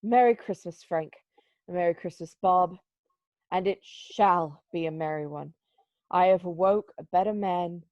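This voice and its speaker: A woman's voice: lowish voice, a little slow, a little mellow, no echo, lo-fi sound, lightly acted. A woman playing an old male miser, giddily reformed and penitent, in an amateur dramatic reading full of exclamations. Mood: generous cheer. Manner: exclamatory, effusive.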